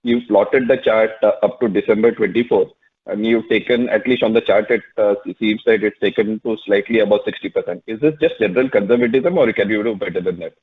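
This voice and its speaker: A man's voice: fairly low pitch, fairly quick. A man asking questions conversationally as a financial analyst on a call. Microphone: phone call. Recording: tinny narrowband phone line.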